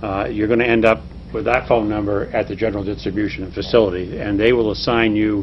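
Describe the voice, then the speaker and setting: With noticeable background noise, a man speaks at a moderate pace in a fairly low pitch. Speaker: town manager. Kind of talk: public meeting discussion.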